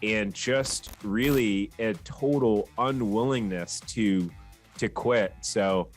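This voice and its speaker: A man's voice: lowish voice, slow, soft background music. Upbeat male podcast host. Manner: upbeat, enthusiastic. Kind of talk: podcast interview.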